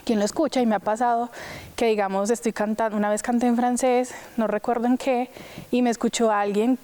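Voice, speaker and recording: A young woman talks in a loose, chatty way, leaning on little fillers as she goes. Her voice sits a bit high and has a warm, mellow tone. She sounds like an opera singer relaxing in an interview. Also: a little fast. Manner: chatty and animated, full of "pues" and "o sea". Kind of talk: casual interview talk.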